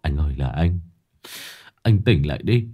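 A man's voice: a bass voice, expressive, normal speed, slightly rough, dull audio, voice pushed down, heavily acted. A man voicing an anguished brother in a spoken ghost story, lamenting in a choked voice. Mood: choked grief. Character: anguished younger brother mourning his comatose brother.

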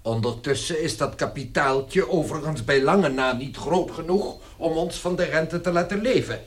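An actor playing a stern, practical middle-aged father in a radio drama, with a measured, authoritative manner. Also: on the high side, natural voice. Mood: grave, practical.

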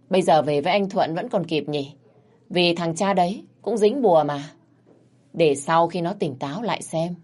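Woman voicing a foul-mouthed old village schemer, shrieking curses; storybook character. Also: darkish tone. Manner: shrill, cursing, screeching.

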